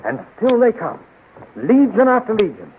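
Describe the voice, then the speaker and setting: An actor playing an earnest, gallant prince and commander in formal, declamatory 1930s radio style. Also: male voice, high-pitched, sing-song, normal speed. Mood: impressed, curious. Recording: tinny, noisy 1930s radio recording.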